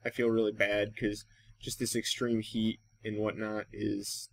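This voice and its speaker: An American gaming YouTuber and host from Wisconsin rambles through casual Let's Play commentary, thinking aloud as he goes. His voice is fairly low and creaky, flat in delivery and unhurried.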